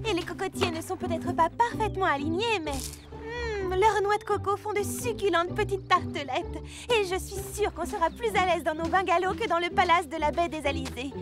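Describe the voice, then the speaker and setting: A woman voicing an earnest, perfectionist young girl in an expressive way for a French children's cartoon. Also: very high voice, moderate pace, music in the background. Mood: happy, proud. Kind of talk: French animated series dubbing for children.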